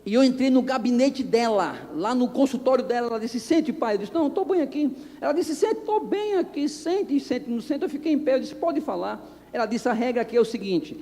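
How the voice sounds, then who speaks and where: A male pastor with a strikingly high voice tells a sermon story, acting out every exchange and breaking into shouts. His voice rings through a church hall with a long, trailing reverb. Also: fast talker. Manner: animated, acts out dialogue, bursts into shouts. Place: church anniversary service.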